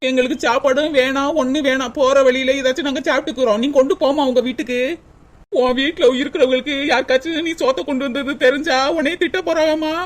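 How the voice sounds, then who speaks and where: A proud young wife in a cartoon, voiced by a woman, pleading with her husband and reproaching her mother. Her voice sits high and bright. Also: fairly even intonation, fast, natural voice. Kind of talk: cartoon voice acting.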